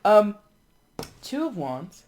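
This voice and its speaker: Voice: medium pitch, very animated, takes it slowly, a little mellow. Congested, blunt tarot reader in their thirties. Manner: blunt and chatty, swears, repeats words for emphasis. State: congested, sniffling. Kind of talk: casual tarot reading.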